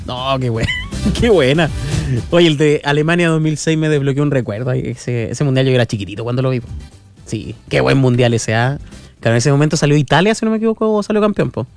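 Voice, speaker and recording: A young Chilean man hosting a radio show in casual chat, his nose stuffed up from a cold, chatty and relaxed with frequent filler tags. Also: medium pitch, brisk, faint music behind. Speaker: radio host. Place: radio studio.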